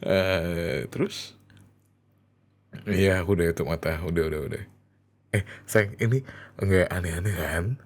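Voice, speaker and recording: In an ASMR roleplay, a man plays an affectionate, excitable husband speaking to his wife, his delivery expressive and hesitant. His voice is low, and he keeps a measured pace with long pauses.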